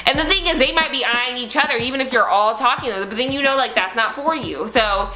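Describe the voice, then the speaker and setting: A woman's voice: on the high side, fast, sharp tone, echoey room. A young woman co-hosting a podcast, giving frank, slangy advice in a casual, emphatic way. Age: young adult. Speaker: podcast co-host.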